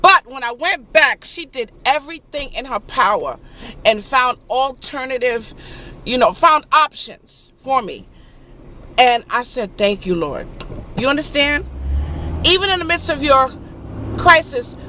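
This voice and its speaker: A woman's voice: high voice, lively intonation, measured pace, sharp tone, slight background noise, poor audio. A woman giving an emphatic, preachy motivational vlog talk, calling her viewers honey. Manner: laughs and gets emotional. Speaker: vlogger.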